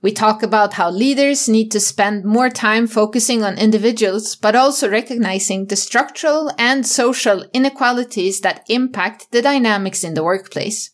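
A woman's voice: on the high side, moderate pace, hardly any pauses. A woman co-hosting a podcast, presenting episode introductions and putting questions to guests. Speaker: podcast co-host.

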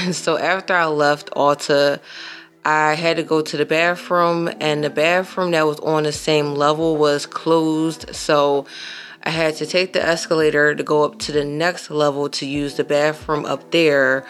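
A woman's voice: low voice, a little slow, faint music behind. Chatty woman in her thirties telling a story. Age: 30s. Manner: chatty, animated, emphatic asides to listeners. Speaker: podcast host. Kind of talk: casual storytelling monologue.

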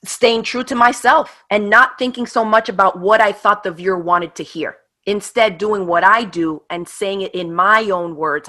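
Bright-voiced woman in her 30s, chatty and quick, laughing as she tells how she got started. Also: mid-range voice. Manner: animated, fast storytelling with laughs. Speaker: guest, online craft teacher. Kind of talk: casual interview chat.

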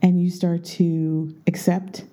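A jet-lagged woman talks to her viewers in a loose, rambling way, often stopping to correct herself. She is recording under a blanket in her bedroom, so her voice sounds heavily muffled and very dark. Her voice sits fairly low. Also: little pitch movement, slow. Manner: chatty, rambling, self-correcting. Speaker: vlogger. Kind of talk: casual chat to viewers.

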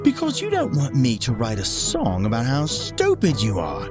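Man playing a cheeky bard, animated pitch. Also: normal speed, music in the background. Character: loyal, cheeky male bard companion.

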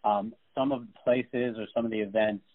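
A man's voice: lowish voice, steady tone, moderate pace. A man hosting an interview, asking questions in a friendly, rambling way with fillers. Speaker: interview host. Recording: tinny phone-like line.

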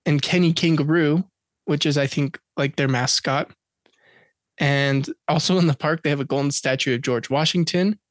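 In clean studio audio with no room sound, a podcast co-host chats casually, joking as he reads dates and facts aloud. His voice is fairly high with fairly even intonation, at a normal speed.

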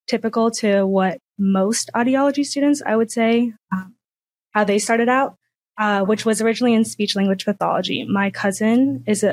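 A young woman in her twenties from Cincinnati, a student guest answering candidly with many pauses. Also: mid-range voice, dry recording. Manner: relaxed, candid, many ums. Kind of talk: casual interview answers.

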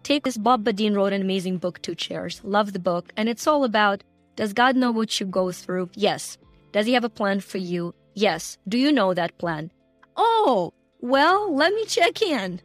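A woman guest on a podcast talking about her coaching work in an earnest, animated way, often laughing as she speaks. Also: medium pitch, normal speed, dry recording, faint music behind. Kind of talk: conversational interview.

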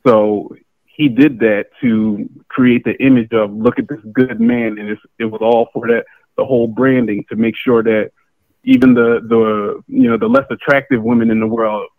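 A man, a guest, calmly explaining his views on a call, with halting fillers as he thinks. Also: medium pitch, vocal fry, no room sound. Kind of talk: casual discussion on a call. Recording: tinny phone line.

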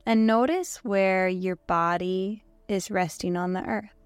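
A woman with a hoarse, worn-down voice, hosting a podcast and gently guiding a yoga nidra meditation with soft, slow instructions and long pauses. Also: mid-range voice, no room sound. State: hoarse, losing her voice. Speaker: podcast host and meditation guide.

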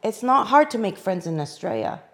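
A woman's voice: medium pitch, sing-song, moderate pace, vocal fry. A middle-aged woman, a real estate agent, chatting as a podcast guest. She tells her story animatedly, laughs often and acts out her own past thoughts. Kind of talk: casual interview chat.

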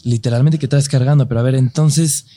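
A man's voice: medium pitch, steady tone, brisk, mellow. A man with a Mexican accent hosting a casual podcast chat, asking eager, slangy questions.

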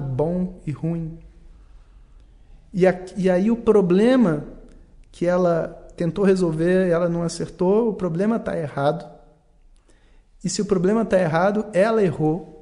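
Man, teacher type, mellow and slightly high voice, calm explanatory delivery. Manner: calm, explanatory, acts out little dialogues. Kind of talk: talk on learning and mistakes.

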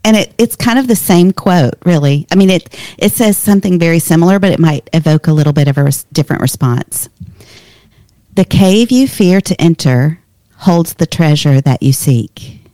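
A woman's voice: lowish voice, lively intonation, normal speed, warm tone, no echo. A woman talking casually as a guest on a talk show. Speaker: podcast guest. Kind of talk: casual chat.

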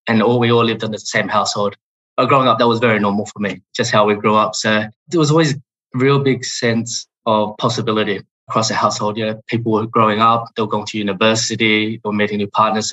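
A man in his thirties from Australia with an Australian accent, a podcast guest talking in a relaxed, reflective way with many fillers. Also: on the low side, rough recording. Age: 30s. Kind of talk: interview podcast.

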